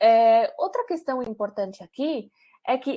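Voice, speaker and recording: Speaking at a moderate speed, a woman uses a high voice. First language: Spanish (speaking Portuguese). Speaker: teacher. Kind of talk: online workshop lecture. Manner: hesitant, frequent fillers.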